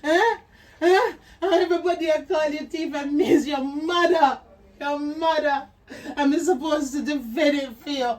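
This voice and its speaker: A woman's voice: high-pitched, a little slow, far from the mic. An actress playing a grieving, remorseful Jamaican mother who wails and pleads in a sobbing patois with broken laughter, in an amateur web drama. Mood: quiet remorse. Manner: repetitive cries and pleading.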